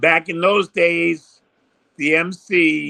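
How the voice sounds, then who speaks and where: This is a man talking. He has a New York accent. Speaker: hip hop pioneer and actor. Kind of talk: interview.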